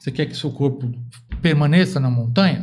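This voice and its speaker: A man talks at a fairly quick pace in a fairly high pitch, with vocal fry and lively intonation. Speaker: journalist. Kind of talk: podcast interview.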